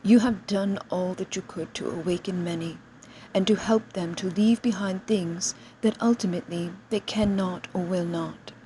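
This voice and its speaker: Woman, seance medium in trance: solemn, stilted channeled monologue, dark mellow tone, some background noise. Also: mid-range voice, low-quality recording. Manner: seance medium speaking as a collective spirit guide, solemn and stilted. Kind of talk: channeled spiritual message, monologue.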